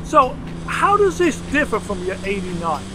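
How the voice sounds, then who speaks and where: A man's voice: high-pitched, big pitch swings, normal speed, noisy background. A middle-aged man hosting a car show, narrating and then chatting with a guest in a playful way. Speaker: host. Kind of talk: narration then casual interview.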